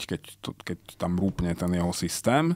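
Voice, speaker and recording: A man's voice, dry with no echo. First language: Hungarian (speaking Slovak). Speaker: political commentator. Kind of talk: casual chat. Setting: studio. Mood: serious, analytical. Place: studio. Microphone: studio mic.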